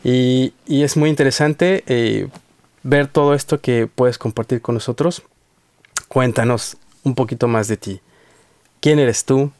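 A man's voice: mid-range voice, a little slow, darkish tone, no echo. A man hosting a casual radio interview in a studio, chatty and hesitant, with frequent fillers. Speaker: radio show host. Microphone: studio microphone.

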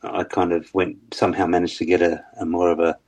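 Musician guy, really deep bass voice, lots of ums and restarts, laid-back chat. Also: little pitch movement, brisk, darkish tone. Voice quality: very low bass voice. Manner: hesitant, many fillers and restarts, laughs often. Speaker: musician guest. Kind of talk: casual interview chat.

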